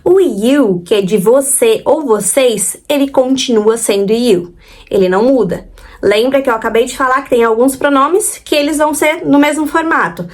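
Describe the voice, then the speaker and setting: Brazilian woman teaching English grammar. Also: sits high. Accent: Brazilian Portuguese. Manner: slow, drawn-out model sentences with repetition, frequent "certo?" checks. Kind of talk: online English grammar lesson.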